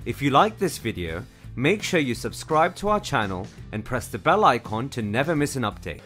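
A man's voice: medium pitch, very animated, moderate pace, fairly bright tone, soft background music. A man reading scripted promotional voice-over as a voice artist.

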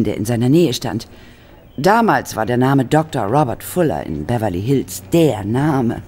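A haunted actress, halting and dramatic. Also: female voice, rumbling low, darkish tone, husky, full character voice. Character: embittered Hollywood actress confessing a frightening past. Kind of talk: German horror radio play acting.

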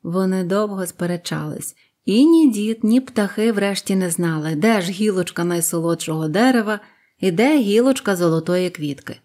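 A woman reading a fairy tale aloud in a calm, tender narrating voice. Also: mid-range voice, moderate pace. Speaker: storyteller.

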